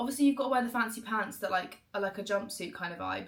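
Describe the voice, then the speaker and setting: A woman with a southern English accent and a fairly high pitch talks at a very fast pace. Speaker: lifestyle vlogger. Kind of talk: casual vlog chat.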